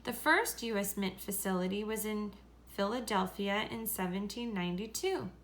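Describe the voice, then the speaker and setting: A woman reading a children's story aloud in a deliberate, expressive way. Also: medium pitch, a little hiss or hum. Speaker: story reader.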